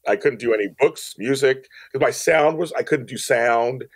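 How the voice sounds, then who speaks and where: A man's voice: medium pitch, moderate pace. A man speaking as a podcast guest, telling personal stories casually and emphatically, often repeating phrases for stress. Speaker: podcast guest, audio drama producer. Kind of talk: personal storytelling in a casual interview.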